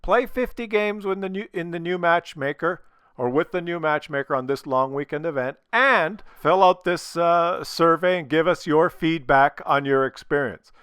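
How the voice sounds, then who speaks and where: A man's voice: on the high side, moderate pace, fairly bright tone, clear, resonant tone, dry recording, studio quality. A man talking casually to his viewers, blunt and opinionated, swearing freely, while losing his voice from a cold. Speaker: gaming video creator.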